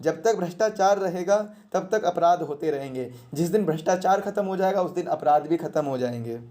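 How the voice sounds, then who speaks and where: This exam coach has a mellow, relaxed, mid-register voice and a brisk delivery. Teaching runs through questions and answers, with points repeated and rhetorical questions raised before being resolved in a didactic style.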